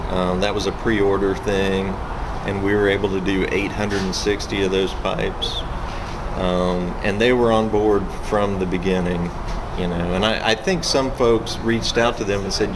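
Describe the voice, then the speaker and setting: Tentative low-voiced man with noticeable background noise. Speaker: pipe business owner being interviewed. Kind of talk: casual conversational answers.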